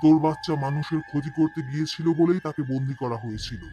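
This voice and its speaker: A man's voice: on the high side, fast talker, mellow, soft background music, natural voice. A man playing a stern, pious madrasa cleric in a cartoon, admonishing and solemn. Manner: admonishing, with chanted prayer. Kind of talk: scripted cartoon acting.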